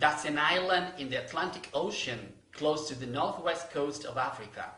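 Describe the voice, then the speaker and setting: With a Spanish accent and a fairly high pitch, a man speaks at a fairly slow pace with lively intonation amid audible room echo. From southern Spain, Cadiz, Andalusia. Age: 50s. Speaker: language teacher. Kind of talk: tutorial.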